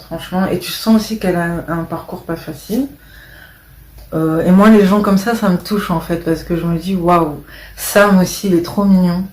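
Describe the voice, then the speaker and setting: A woman chatting casually to camera, rambling and hesitant, often trailing off softly. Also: lowish voice, reverberant. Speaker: vlogger.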